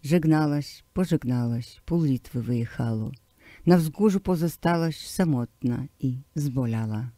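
Man reading poems for radio, slow and declamatory, mellow dark tone, dry close sound. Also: mid-range voice, dry recording. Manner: slow, declamatory recital with swelling emphasis. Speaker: poetry reader. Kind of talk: poetry recitation.

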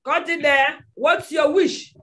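A woman's voice: high voice, fairly even intonation, slow, fairly bright tone. A Nigerian-accented woman coaching an online acting class, giving commanding instructions and repeating her orders. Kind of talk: directing students in an online audition class. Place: indoor room, on a video call. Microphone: video call microphone.

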